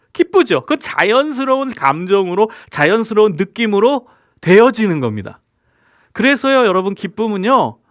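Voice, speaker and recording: A man preaching as a pastor to young people, animated and asking the audience many questions. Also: sits high, no echo, clean studio sound. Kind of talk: youth sermon.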